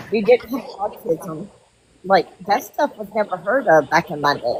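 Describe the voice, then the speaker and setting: This woman speaks in a Southern US accent at a medium pitch. Her intonation is lively. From Louisiana. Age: 60s. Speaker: caller. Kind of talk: casual chat.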